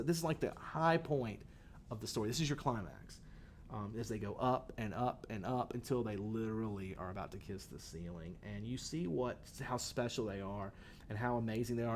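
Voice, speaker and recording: A man's voice: mid-range voice, a little hiss or hum. A male teacher giving a casual classroom lecture on a short story, talking in a conversational way with many fillers and restarts.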